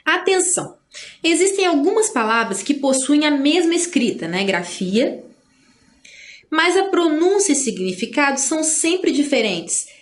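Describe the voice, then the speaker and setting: Woman teacher with a Brazilian accent, a little high-pitched, chatty, stretches out example words. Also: very animated. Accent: Brazilian Portuguese. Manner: chatty, tags phrases with "né?"; drawls out example words slowly. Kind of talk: online grammar lesson.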